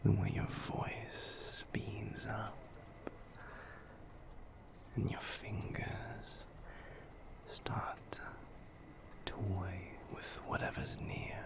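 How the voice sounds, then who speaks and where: A man voicing a tender, seductive vampire lover in an intimate romantic audio roleplay, whispering in a breathy, gravelly voice with slow, lingering phrases. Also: lowish voice, little pitch movement, exaggerated voice. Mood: sensual, adoring. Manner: slow, lingering, sensual delivery.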